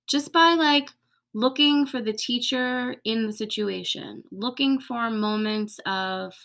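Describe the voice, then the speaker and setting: A woman podcast host talking candidly in a casual, reflective monologue, sometimes dropping to a soft whisper and swearing casually. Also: mid-range voice, vocal fry.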